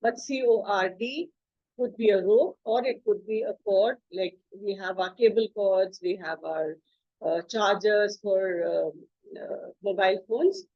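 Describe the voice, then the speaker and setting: A woman teacher giving a slide presentation on English words, explaining slowly, spelling words out and pausing on fillers. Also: medium pitch, dry recording, dull audio.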